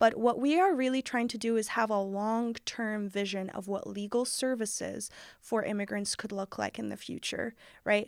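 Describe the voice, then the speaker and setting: A woman's fairly high voice at a moderate pace, with fairly even intonation, on a very clean recording with a silent background. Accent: Arabic. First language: Arabic. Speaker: immigrant rights organizer. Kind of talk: radio interview.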